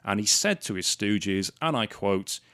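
A man's voice: on the low side, animated, measured pace, sharp tone, no echo, studio quality. A man from South Wales hosting a podcast, telling a story in an indignant, sarcastic way. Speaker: podcast host. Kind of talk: casual storytelling monologue.

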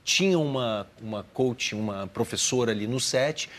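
A male actor being interviewed, explaining his work thoughtfully, with frequent pauses and restarts. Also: mid-range voice. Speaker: actor guest. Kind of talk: casual interview talk.

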